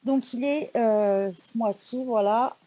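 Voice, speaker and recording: A woman presenting her recent craft purchases in a casual, chatty haul video, often pausing on fillers. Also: a little high, dark tone. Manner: chatty, many hesitation fillers and "donc voilà". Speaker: craft YouTuber showing purchases.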